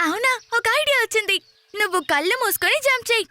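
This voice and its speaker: Very high-pitched eager cartoon child. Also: female voice, lively intonation, fast, pushed and bright, full character voice. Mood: encouraging. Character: eager, encouraging young child in a kids' cartoon. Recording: children's music behind the voice.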